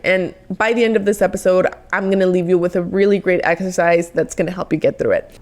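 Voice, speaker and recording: Woman, twenties, Mexican accent, podcast host, motivational, encouraging, quick bursts, medium pitch. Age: 20s. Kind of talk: motivational solo podcast talk.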